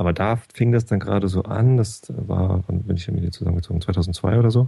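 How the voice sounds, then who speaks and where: Very deep and low in pitch, a man speaks in a dark, mellow, somewhat breathy tone with ordinary pitch variation. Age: 30s. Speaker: caller. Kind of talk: casual chat. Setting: Skype call at home.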